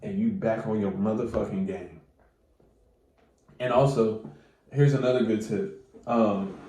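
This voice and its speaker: A man with a lowish voice and a stuffy nose talks straight to his viewers in loose, slangy, profane language. He gives casual advice in a room with a noticeable echo. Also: mellow. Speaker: manifestation coach.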